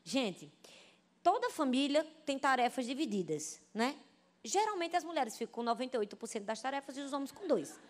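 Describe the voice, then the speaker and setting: High-voiced Brazilian woman pastor preaching. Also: fairly quick. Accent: Brazilian Portuguese. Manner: animated storytelling, addresses the congregation as "gente". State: pregnant. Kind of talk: sermon.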